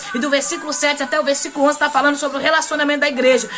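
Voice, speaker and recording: With music in the background and audible room echo, a high-pitched woman talks at a very fast pace. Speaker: missionary preacher. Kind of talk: sermon. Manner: loud.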